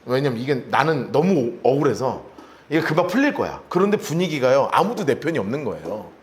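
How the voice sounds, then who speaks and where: A man's voice: medium pitch, fairly quick, a little hiss or hum. A male pastor preaching a sermon, telling stories and acting out voices as he goes. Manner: lively storytelling, acts out quoted voices.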